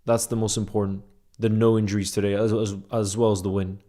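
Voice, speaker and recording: A man's voice: on the low side, flat delivery, fairly quick, mellow. A young man hosting a casual livestream, chatting and reading viewer comments aloud. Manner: conversational, often asks "you know what I mean". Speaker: livestream host.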